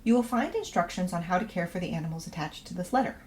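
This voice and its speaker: Reading a scripted letter aloud for a fiction podcast promo, an actress voices a polite, quirky woman professor leaving house-sitting instructions, sounding matter-of-fact and reassuring. She speaks quickly and expressively in a lowish, darkish voice close to her everyday one. Faint background noise and ambience can be heard.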